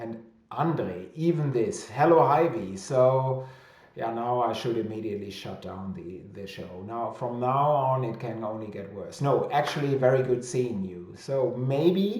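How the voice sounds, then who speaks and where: With a strong German accent, a man at a medium pitch speaks at a fairly slow pace with lively intonation and big swings in loudness, amid audible room echo and noticeable background noise. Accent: thick German. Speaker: board game publisher hosting weekly live chat. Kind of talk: live stream chat reading viewer comments. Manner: hesitant, many fillers and repetitions.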